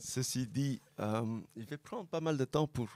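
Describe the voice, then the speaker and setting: A man speaks with a Flemish accent at a fairly slow pace. The sound is dry and close with no echo, in a very clean recording with a silent background. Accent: Flemish Belgian. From Flanders, Belgium. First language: Dutch (speaking French). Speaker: reinsurance specialist. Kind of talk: conference presentation.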